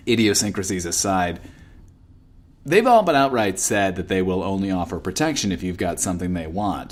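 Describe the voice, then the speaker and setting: Cocky bunker radio DJ, animated delivery. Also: male voice, on the low side. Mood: sardonic, mock-concerned. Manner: showy, sardonic, mock-boastful patter. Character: cocky, self-absorbed male post-apocalyptic bunker radio host. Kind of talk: comedic audio drama radio DJ acting.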